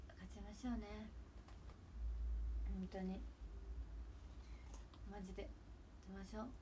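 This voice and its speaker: A woman's voice: fairly low pitch, a little mellow, a little hiss or hum. Bubbly young woman chatting on a livestream. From Kagawa, Japan. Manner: bubbly, gushing, chatty with viewers. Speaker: idol livestream host. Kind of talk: casual livestream chat.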